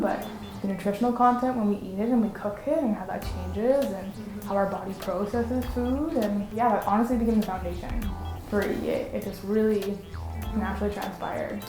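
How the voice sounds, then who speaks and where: A woman's voice: medium pitch, reverberant, rough recording. A woman speaking thoughtfully in a documentary interview about food and her collective. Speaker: collective co-founder.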